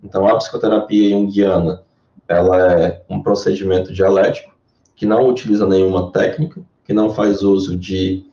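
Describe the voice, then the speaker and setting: A Brazilian man with a low, mellow voice lays out ideas at length, explaining patiently like a lecturer. His voice is Brazilian Portuguese accented. It reaches the listener through a dull, lo-fi line in an echoey room. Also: steady tone, normal speed, distant mic. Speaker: guest, Jungian therapist. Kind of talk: interview answers.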